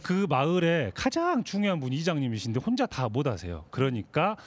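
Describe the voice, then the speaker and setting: A man's voice: on the high side, huge pitch swings, a little fast, crowd noise. A man with a Jeolla dialect accent, a panelist on a TV discussion show, talking in a joking, storytelling way.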